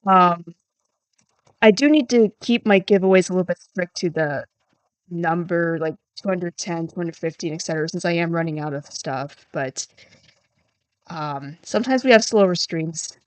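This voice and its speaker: A woman with a lowish voice talks casually on a livestream, rambling and poking fun at herself as she thinks aloud. Her voice is starting to tire. The sound is dry and close, with no room around it. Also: moderate pace, no echo. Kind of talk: casual livestream chat while coding.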